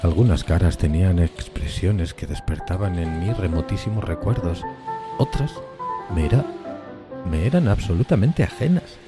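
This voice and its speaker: A man acts out a lonely undead outcast recounting his horror in a very low voice. He is solemn and theatrical, lingering on weighty words in anguish. Prominent music runs beneath this gothic audiodrama narration. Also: expressive, moderate pace. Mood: uneasy, solemn. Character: lonely, horrified undead male outcast telling his tale.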